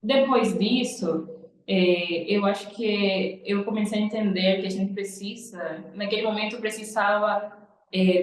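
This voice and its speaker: A young Cuban woman who works as a nail designer earnestly tells her personal story in an interview, often repeating "literalmente" and "tipo". Her voice is medium-pitched, with a little hiss or hum and an echoey room around her.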